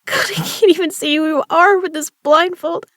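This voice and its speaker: A woman's voice: very high-pitched, normal speed, a bit bright, no echo, clean studio sound. A woman acting a battered but tough poker player in an audio drama, her delivery strained and gasping. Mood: frightened, pleading.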